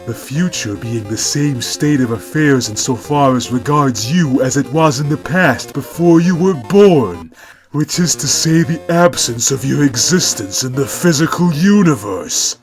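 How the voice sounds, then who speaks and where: Guy doing a big macho cartoon cat, menacing n pompous, slow heavy delivery, music under it. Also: mid-range voice, animated, voice pushed up, close to an everyday voice. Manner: bombastic, verbose, threatening.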